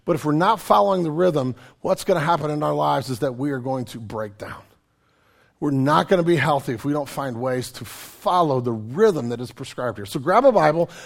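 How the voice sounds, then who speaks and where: Man, pastor, raspy from a cold, high voice, conversational sermon. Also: expressive, moderate pace. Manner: conversational, self-deprecating, joking asides. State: hoarse from a cold.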